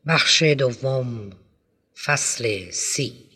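A man reading a novel aloud as an audiobook narrator, expressive, lifting his voice for quoted lines. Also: medium pitch, loud music behind the voice.

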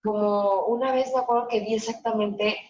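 A woman's voice: mid-range voice, fairly even intonation, moderate pace, a little mellow, roomy sound, highs cut off. A woman, hosting a podcast in casual chat and backing up her guest with short agreeing remarks. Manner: frequent short agreeing interjections.

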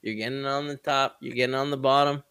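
A man's voice: medium pitch, little pitch movement, fast, a bit bright, clear, resonant tone, no room sound, studio quality. A man co-hosting a podcast, talking animatedly and pushing his point, swearing and restarting sentences. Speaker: podcast co-host. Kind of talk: casual chat.

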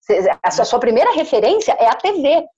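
A woman's voice: high voice, big pitch swings, brisk, mellow, highs cut off. A woman from Paraná with a caipira country accent, chatting and explaining emphatically in a casual interview. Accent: caipira country accent of northern Paraná. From Paraná, Brazil. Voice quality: good clear diction. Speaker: commercial voice-over artist.

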